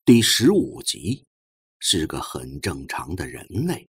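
A man's voice: very deep voice, wildly swooping pitch, slow pace, slightly rough, dry recording, clean studio sound. A man reading an audiobook as a dramatic, scripted narration.

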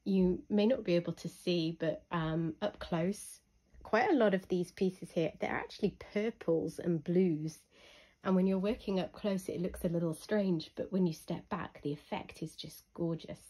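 Husky woman, chatty and mellow. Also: on the low side. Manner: chatty and unhurried, with frequent ums. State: husky from illness. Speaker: hobby reviewer. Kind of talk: casual product review voice-over.

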